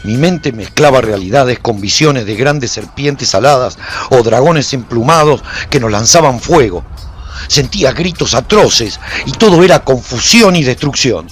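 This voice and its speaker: A man's voice: medium pitch, expressive, a little slow, slight background noise, lightly acted. An actor playing a haunted warrior who narrates his post-apocalyptic story in a solemn, theatrical, intense way for a radio drama. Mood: frantic, intense. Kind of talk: dramatic first-person scripted narration.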